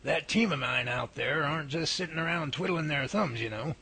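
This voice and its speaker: A man's voice: on the high side, brisk, pushed and bright, husky, exaggerated voice. A man acting a folksy, earnest Bigfoot researcher in a radio drama, full of old-fashioned exclamations and homespun idioms. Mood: matter-of-fact. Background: music.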